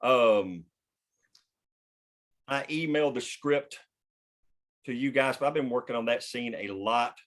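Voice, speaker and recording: Male writer-host, casual group discussion, halting mid-sentence pauses, mildly profane. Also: medium pitch, fairly bright tone. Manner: halting, pausing mid-sentence to find words. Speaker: writer and host leading a table read.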